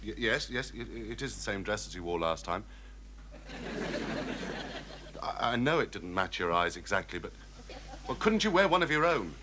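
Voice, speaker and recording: An actor playing a fussy, pompous amateur theatre director, flustered and prim. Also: male voice, fairly low pitch, big pitch swings, a little fast. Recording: hissy old TV audio.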